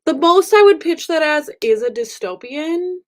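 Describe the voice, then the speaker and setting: A woman's voice: high-pitched, animated, normal speed. A young woman vlogging casually about books from home, rambling with lots of fillers. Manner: chatty, rambling, frequent fillers. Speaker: book vlogger. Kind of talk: casual chat. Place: home room with angled ceiling.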